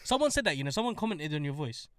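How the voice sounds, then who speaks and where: Lively young man chatting. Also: fairly high pitch, very fast, no room sound, clean studio sound. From England. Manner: animated, jokey banter. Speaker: podcast co-host. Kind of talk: casual chat. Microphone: podcast mic, close.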